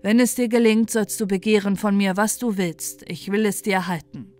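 A woman's voice: mid-range voice, fairly even intonation, normal speed, a little mellow, soft background music, lightly acted. Woman reading as a solemn, humble storybook king. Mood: earnest. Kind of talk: storybook character voice.

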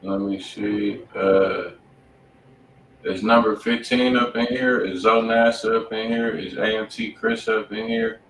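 A low, flat-voiced man co-hosts a music livestream from a home studio, calmly reading out who is next in the queue. He sits back from the mic in a roomy space, with a faint background hum. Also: unhurried, distant mic. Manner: flat, matter-of-fact queue calling. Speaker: livestream co-host. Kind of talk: casual livestream chat.

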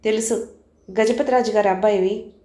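A woman's voice: mid-range voice, fairly even intonation, normal speed, warm tone, natural voice. A woman reading a novel aloud, voicing a stern, composed young man who speaks firmly. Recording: roomy echo.

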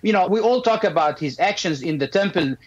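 A man's voice: high voice, lively intonation, brisk. A middle-aged man with an Arabic accent, a guest speaking earnestly over a video call from a home room, often repeating words as he starts phrases. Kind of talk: earnest commentary. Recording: muffled video call audio.

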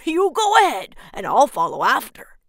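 A woman voicing a big, hungry, easily amused male monster from a children's book, with drawn-out, emphatic delivery. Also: sits high, wildly swooping pitch, a bit bright, no room sound, studio quality, voice pushed up, full character voice. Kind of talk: children's book character reading.

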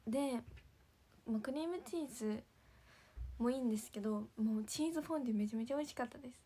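A woman's voice: a little high, fast, dark tone, breathy edge. A young woman chatting casually to viewers on a livestream, giggling and sometimes dropping to a whisper. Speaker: idol livestream host.

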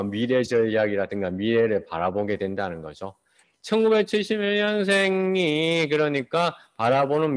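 Guy around 50 teaching over a webcam call, keeps asking the class stuff then answering it himself. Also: mid-range voice. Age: 50s. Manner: explanatory, asks rhetorical questions and answers them. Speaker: lecturer. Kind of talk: online lecture. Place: small room, indoors. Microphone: webcam on a video call.

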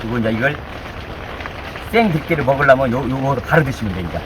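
Male cooking host, lively running commentary, heavy rain noise behind. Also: medium pitch, quick pace. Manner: repetitive running commentary while working, chanting instructions. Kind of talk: hands-on cooking demonstration. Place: indoors with downpour outside.

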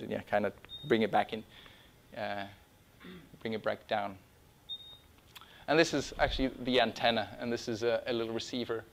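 A middle-aged man with a medium-pitched, fairly bright voice presents his own drone project in an informal conference-style talk with slides. He speaks conversationally to the room, often breaking off and rephrasing as he explains. The setting is an indoor meeting room or small lecture room.

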